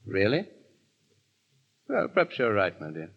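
A silly fop of a lord, drawling and stammering, his voice leaping up and down in a lively sing-song. It sounds like a dull, lo-fi old radio broadcast of a 1930s play. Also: fairly low pitch, measured pace, vocal fry, loud music behind the voice, heavily acted. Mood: dry, teasing. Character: foppish, dithering English aristocrat husband. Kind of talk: 1930s radio drama acting.

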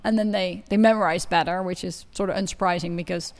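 A woman's voice: fairly low pitch, steady tone, quick pace, creaky. Enthusiastic woman, non-native English speaker. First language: not English. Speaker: guest researcher. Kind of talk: conversational interview.

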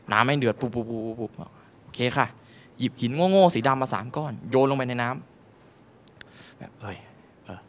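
Bright, high-voiced male stand-up comic. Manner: crude, exasperated, swears a lot, acts out other people. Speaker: stand-up comedian. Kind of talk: stand-up storytelling. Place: comedy venue stage.

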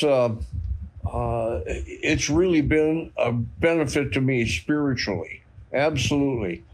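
A man with a mid-range voice talks about his beliefs. He pauses often with fillers yet states his views firmly. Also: mid-range voice, poor audio. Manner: hesitant, many fillers, firm convictions. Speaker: church member giving a testimony. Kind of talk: personal faith testimony.

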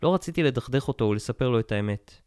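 A man reads a pulp novel aloud as a podcast co-host, narrating in an earnest, mock-dramatic way. His voice is smooth and resonant. The recording is dry and close. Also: medium pitch, expressive, a little mellow, no room sound.

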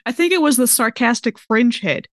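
A woman's voice: a little high, expressive, moderate pace, fairly bright tone, no echo, studio quality. A woman playing a tabletop roleplaying game, slipping between casual table talk and improvised character lines in a slangy, playful way.

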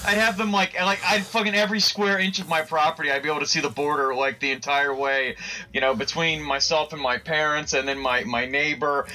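A man's voice: fairly high pitch, steady tone, a little fast, pushed and bright, a little hiss or hum, low-quality recording. A man co-hosting a comedy podcast, rambling through silly paranoid tangents with plenty of swearing and laughter. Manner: rambling, profane, laughs often. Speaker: podcast co-host. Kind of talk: casual comedic chat.

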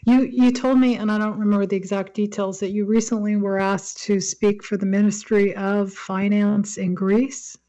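A woman hosts an interview and asks gentle, open questions. Her delivery stays flat and even, with little rise and fall. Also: mid-range voice, normal speed, hardly any pauses, low-quality recording. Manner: gentle, affirming listener. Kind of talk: conversational interview.

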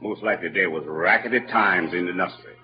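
In an old-time radio drama, an actor plays Jim, a simple-hearted, kindly man speaking rural Southern dialect. He talks fast and lightly acted, puzzled and earnest, his lively voice swooping from low mutters to high exclamations. The recording is dull, lo-fi old radio audio with music.

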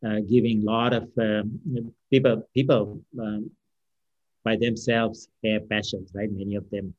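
A man speaking English as his third language, answering interview questions as a company founder with many fillers, pauses and restarts. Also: lowish voice, flat delivery, darkish tone, no room sound, muffled recording. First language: non-English first language. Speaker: company founder and CEO, guest. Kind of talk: unscripted podcast interview answer.

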